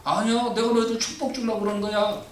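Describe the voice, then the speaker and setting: A curt, stern God hands down orders to a stubborn people, voiced by a man preaching. The voice is pitched a little high and sounds roomy. A faint hum sits behind it, caught from a distance. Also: level tone, fast talker, natural voice.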